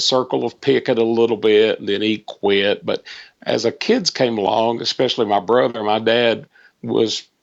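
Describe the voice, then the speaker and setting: This man speaks at a moderate pace with a strong Southern US accent against a quiet background. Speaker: dobro player. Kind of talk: podcast interview. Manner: repeats and stammers words.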